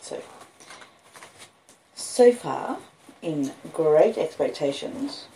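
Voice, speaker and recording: An Australian woman hosts a casual livestream in a low-pitched voice. She takes her time, rambling and pausing as she goes. The home recording in a front room carries some faint background noise. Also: sing-song, dark tone. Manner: unhurried, rambling, with halting pauses. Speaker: host of a live-streamed book reading. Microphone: phone and an old laptop. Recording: noisy home phone recording. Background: street noise, house creaks, puppy, lo-fi beats.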